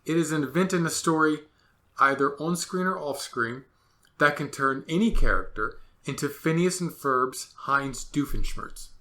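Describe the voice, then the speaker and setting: A man's voice: on the high side, normal speed, pushed and bright. A man ranting sarcastically in a solo commentary monologue, exasperated and full of absurd comparisons. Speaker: podcast host.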